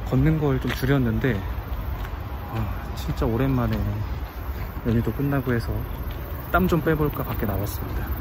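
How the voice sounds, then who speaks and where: A very deep, low-pitched man with very wide pitch swings, a dry sound with no echo, and noticeable background noise. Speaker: broadcast announcer. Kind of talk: casual vlog talk to camera. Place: open country. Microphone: phone near.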